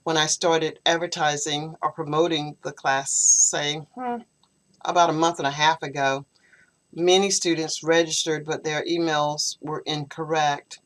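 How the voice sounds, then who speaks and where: A woman English teacher explaining her methods to a student in an online lesson, in a measured, explanatory way. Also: low voice, steady tone. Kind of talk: online tutoring session. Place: home, video call. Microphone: computer video call microphone.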